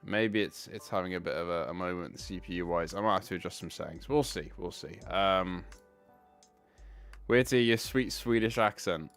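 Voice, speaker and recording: A man's voice: low voice, normal speed, fairly bright tone, soft background music. A man hosting a casual live stream, rambling as he sorts out camera trouble. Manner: rambling, fixing tech while talking.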